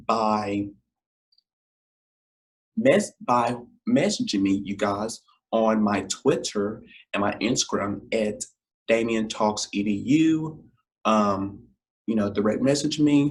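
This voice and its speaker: Rambling man with a scratchy, unwell voice. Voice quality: deep, scratchy voice. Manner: rambling, filler-heavy, addresses listeners as "you guys". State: feeling unwell. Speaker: podcast host. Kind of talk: casual solo podcast outro.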